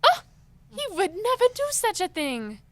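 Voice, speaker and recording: A woman's voice: very high-pitched, wildly swooping pitch, moderate pace, crowd noise, full character voice. A woman playing a naive, chatty, polite girl in a comic radio play, casual and wide-eyed. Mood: alarmed. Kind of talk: comedic audio drama acting.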